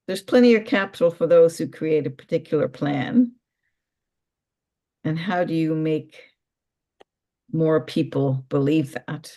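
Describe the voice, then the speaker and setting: Man, fairly high pitch, group call participant, casual halting questions and comments. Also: mellow.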